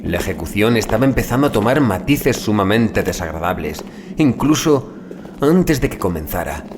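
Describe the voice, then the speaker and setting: A man reading a scripted horror story as an audiobook narrator, in a grave, deliberate dramatic manner with drawn-out phrase endings. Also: on the low side, expressive, noisy background. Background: music bed.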